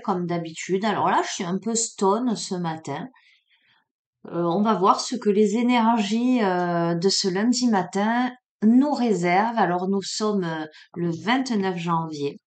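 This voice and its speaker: Reading oracle cards in a relaxed way, this Marseille woman speaks with a faint southern French accent in a voice on the low side. She comes across drowsy and unsure, often pausing and using fillers.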